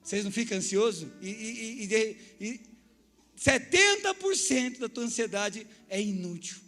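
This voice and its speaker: Brazilian pastor guy preaching, really lively pitch, faint music under it. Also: normal speed. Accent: Brazilian Portuguese. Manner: animated, acts out dialogues with the congregation. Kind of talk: sermon. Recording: echoey church hall with faint music.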